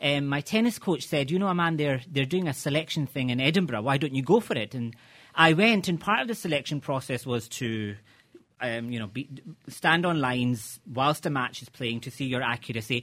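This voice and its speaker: Here a man talks fairly quickly with lively intonation. His pitch is fairly high. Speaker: university lecturer and former tennis umpire. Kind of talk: radio interview.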